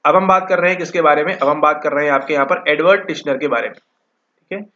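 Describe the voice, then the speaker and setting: A man with a fairly high, bright and forceful voice lectures in an exam-prep lesson. He asks questions and answers them himself, and keeps ending points with a quick check-in. The audio is dull and lo-fi. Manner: rhetorical questions answered himself, repeats "ठीक है". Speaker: psychology exam tutor. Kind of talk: online lecture.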